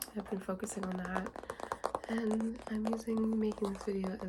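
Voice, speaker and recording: The voice is soft-spoken and moves at a moderate pace. Noticeable background noise sits behind it. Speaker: ASMR content creator. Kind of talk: ASMR rambling to camera while tapping books.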